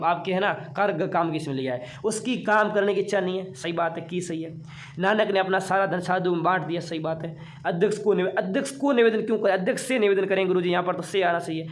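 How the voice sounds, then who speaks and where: A man teaching an online exam-prep class in a playful, chatty way, teasing his students. He mentions he has been unwell. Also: sits high.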